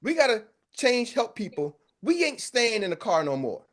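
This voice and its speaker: A high-voiced American man leads a group call as a sales coach. He talks in a fiery, preacher-like way and drives his points home by repeating them. The energy stays high as he pushes the listeners. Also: very animated, moderate pace. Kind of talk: motivational pep talk.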